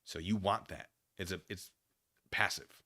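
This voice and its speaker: A man hosting a live stream, reading documents aloud and commenting casually with conversational, animated asides. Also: deep voice, a little slow. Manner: conversational, animated asides, acts out imagined dialogue.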